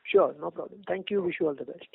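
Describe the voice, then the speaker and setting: A man's voice: sits high, fast, creaky, breathy edge. A man with an Indian accent questioning as an analyst on an earnings call, insistent and probing in loosely phrased speech. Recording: tinny phone line.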